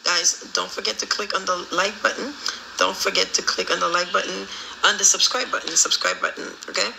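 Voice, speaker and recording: A woman's voice: medium pitch, steady tone, a little fast, gravelly, noisy background. A woman in her thirties with a Haitian accent, hosting a live stream and chatting as she reads viewer comments, switching between English, Creole and French. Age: 30s. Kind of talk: casual live-stream chat reading comments. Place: small room indoors. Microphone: phone held close.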